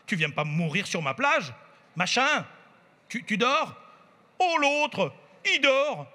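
A man's voice: extremely high pitch, sing-song, takes it slowly, in a large hall, pitched above the performer's own voice, exaggerated voice. A man voicing a cheeky, insolent little girl who bosses and mocks, reading his own play aloud. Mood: indignant. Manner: mocking, bossy, bursts into shouts.

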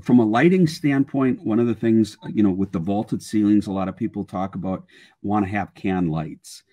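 A man's voice: lowish voice, normal speed, dark tone. An older man speaking as a guest expert, explaining technical matters informally on a webinar video call. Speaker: guest expert, structural engineer and sales manager.

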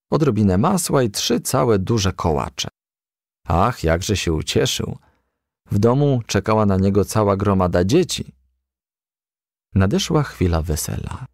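A man narrating a children's storybook in an expressive, scripted reading style. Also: low-pitched, vocal fry, no echo, studio quality. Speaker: audiobook narrator.

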